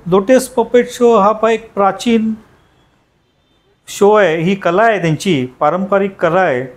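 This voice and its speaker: A man narrates a travel vlog in an explanatory way, pausing and restarting mid-sentence. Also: sits high. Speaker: travel vlogger. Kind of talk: unscripted vlog voice-over narration. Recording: loud instrumental music behind voice. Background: loud music with instruments.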